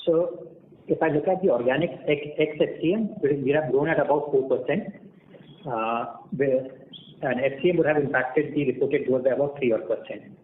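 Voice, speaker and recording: A man's voice: medium pitch, normal speed. A male finance executive answering financial questions on an earnings call. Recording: noisy narrowband phone line.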